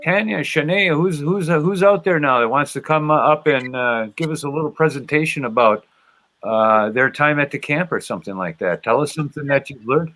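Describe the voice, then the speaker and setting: A man hosting a live radio event casually, halting as he searches for words. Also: fairly high pitch, a bit bright.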